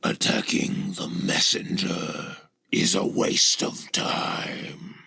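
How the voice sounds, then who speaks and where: A man voicing an ancient, huge male black dragon, stoic and terse, in a slow, rumbling whisper. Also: bright, forceful tone. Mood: grave, unhurried.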